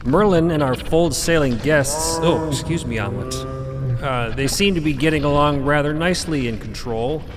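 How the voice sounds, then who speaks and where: An actor playing an eccentric, cryptic elder grandparent in an audio drama, with formal, theatrical diction. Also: male voice, on the high side, moderate pace, big-room sound, natural voice. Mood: genial, airy. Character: eccentric elder robed mother-figure, male, grandparental, breezy and cryptic.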